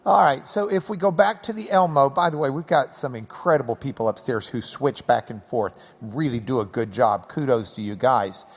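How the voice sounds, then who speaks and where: A man with a Texan accent hosts a live interview before a class, folksy and joking as he slows things down to explain. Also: medium pitch. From Texas. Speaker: host. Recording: dull audio with long hall reverb.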